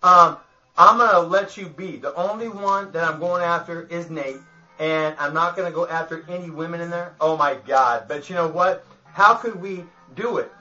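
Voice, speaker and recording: Boastful man ranting profanely to camera, slightly high, raspy voice, muffled lo-fi sound. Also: normal speed, bright, forceful tone, faint music behind. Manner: profane, boastful, laughs between phrases. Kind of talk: rambling rant to camera.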